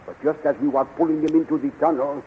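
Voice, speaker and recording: A man plays an earnest scientist hero of a 1930s radio serial, held captive but loyal. His voice sits a little high and is deliberate and theatrical. The recording is narrow and tinny, with clear background noise. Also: steady tone, close to an everyday voice. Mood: concerned.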